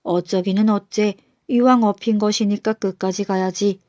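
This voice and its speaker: Woman doing a calm old minister. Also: medium pitch, normal speed, no room sound, lightly acted. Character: old male state minister, calm and humble.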